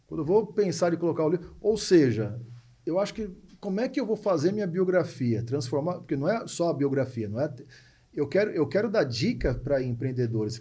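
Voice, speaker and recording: A man's voice: on the high side, warm tone, husky. A man in his forties with a São Paulo coast Brazilian accent, telling personal stories conversationally, repeating words for emphasis and often tagging phrases for agreement. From Santos, coastal São Paulo, Brazil. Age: 40s. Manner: emphatic repetitions and frequent tag questions seeking agreement. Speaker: podcast guest, entrepreneur and speaker.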